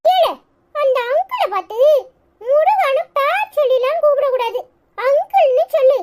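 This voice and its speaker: A woman's voice: very high-pitched, lively intonation, normal speed, a little mellow. A woman voicing a chatty, bossy little boy in a cartoon, with a Tirunelveli Tamil accent. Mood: chirpy. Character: chirpy cheeky little boy. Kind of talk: cartoon voice acting. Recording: clear background noise.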